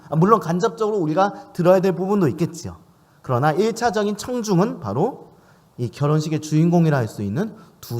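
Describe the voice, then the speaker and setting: A man preaching a sermon in church, asking questions of his listeners as he speaks. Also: fairly high pitch. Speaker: pastor.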